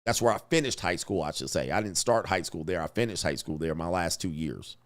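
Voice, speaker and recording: A man's voice: sits low, fairly quick. A middle-aged man from Southern California, hosting a casual livestream and reading viewer super chats with laughing, mocking asides.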